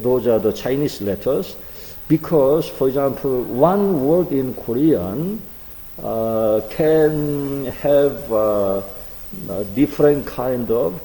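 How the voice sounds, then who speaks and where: A man teaching a language class in English, speaking slowly and haltingly with many fillers and asking his students questions. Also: mid-range voice, dark tone, big-room sound, poor audio. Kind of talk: online class lecture.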